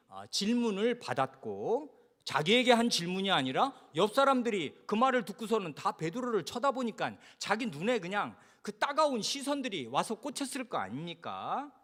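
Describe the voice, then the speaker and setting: A man preaching an expository sermon as pastor at a church service, expressive, asking the congregation questions and acting out what people said. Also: high-pitched. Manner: expressive, acts out quoted voices and asks the congregation questions.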